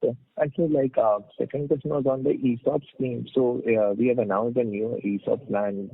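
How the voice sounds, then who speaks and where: A man, an analyst calling in, asking questions in a hesitant, halting manner. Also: medium pitch, steady tone, gravelly, husky, no echo. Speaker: analyst caller. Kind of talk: asking questions on earnings call. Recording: muffled dry telephone line.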